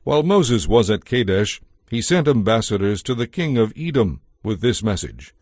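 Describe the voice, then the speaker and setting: A man narrating scripture from a script in a solemn, deliberate, clearly enunciated storytelling style. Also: on the low side, very animated, darkish tone, no room sound, studio quality. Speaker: Bible narrator.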